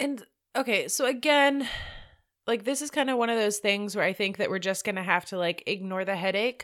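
On a very clean recording with a silent background, a woman has an unremarkable speaking voice at a medium pitch with ordinary pitch variation. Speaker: podcast co-host. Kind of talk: casual podcast discussion of a TV episode.

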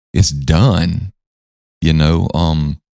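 A man's very deep, low voice in a very clean recording with a silent background. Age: 40s. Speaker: pastor. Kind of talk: casual chat.

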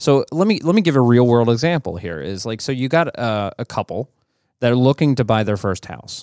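A man with a plain, everyday voice talks at a fairly quick pace, medium pitch and lively intonation, in a dry, close sound with no echo on a very clean recording with a silent background. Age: 40s. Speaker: church podcast host. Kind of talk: casual chat.

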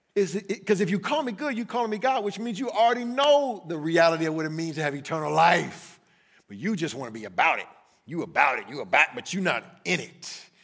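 Speaking very fast, a man uses a high pitch and an animated tone. His pitch swings very widely. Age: 50s. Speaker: pastor. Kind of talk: sermon.

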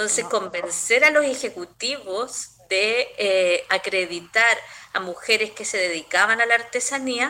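Her voice bright and sharp, a woman speaks at a fairly high pitch. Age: 40s. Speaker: agronomist and regional agency director. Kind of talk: interview.

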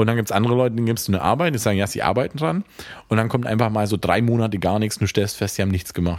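A man talks very fast at a fairly low pitch. His loudness stays very even. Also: ordinary pitch variation. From Bavarian Swabia, Germany (near Augsburg). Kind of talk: casual chat.

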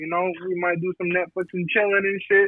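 This man speaks with a high pitch in an American accent. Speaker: local rapper. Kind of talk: interview.

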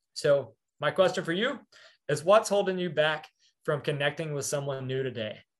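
Somewhat breathy and with an American accent, the voice moves at a moderate pace with ordinary pitch variation over a quiet background. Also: man, fairly high pitch for a man. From Tennessee. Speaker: real estate agent, team leader. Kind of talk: webinar presentation.

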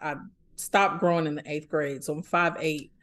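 A woman speaks at a fairly quick pace with fairly even intonation. Her pitch is fairly low. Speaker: lawyer and author. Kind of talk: casual interview.

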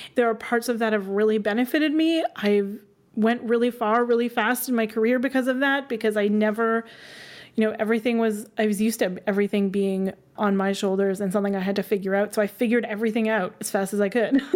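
Very fast speech comes from a woman with a Canadian accent and a fairly high pitch. The recording is very clean, with a silent background. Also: fairly even intonation. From northeastern Ontario, Canada. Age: 30s. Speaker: design director sharing money problems. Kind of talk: interview.

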